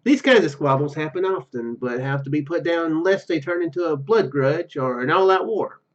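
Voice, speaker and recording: A man's voice: on the high side, animated, moderate pace. A man reading a game's narration aloud and adding casual commentary as a gaming video host, on a slightly lo-fi microphone.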